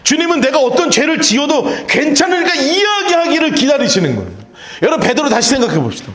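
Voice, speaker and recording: A male pastor delivers a sermon in a fairly high voice that rises and falls a great deal. He moves between loud emphasis and hushed storytelling, and he leads the congregation in repeating phrases. The sanctuary gives his voice a roomy echo. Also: big pitch swings, quick pace. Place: church sanctuary. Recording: echoey church sanctuary.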